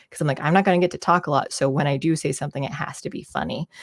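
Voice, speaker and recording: A soft-spoken woman talks with an American accent and fairly even intonation. The sound is dry and close, with no echo. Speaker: live streamer, movie reviewer. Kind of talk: casual live stream chat.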